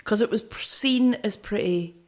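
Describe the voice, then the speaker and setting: A woman's voice: medium pitch, normal speed. Scottish woman chatting about music on a podcast, informal, bit of a tease. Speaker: podcast co-host. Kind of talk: casual music discussion, explaining from notes.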